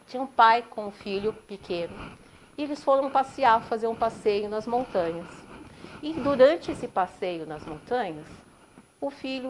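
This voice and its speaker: A middle-aged woman gives a sermon at a mid pitch, gently telling a story and putting questions to her listeners. A faint hiss sits under her voice. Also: poor audio. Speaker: spiritist talk speaker.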